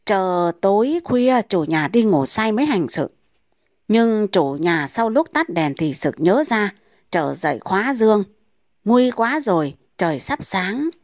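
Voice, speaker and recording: A woman reading comic folk tales aloud in a brisk, steady storytelling manner. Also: mid-range voice, no echo.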